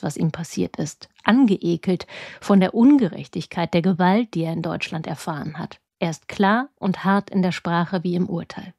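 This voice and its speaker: A woman delivers a scripted radio book review in a measured, serious tone. Her voice sits low and mellow. The recording is close and dry. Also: dry recording. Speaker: radio culture reporter.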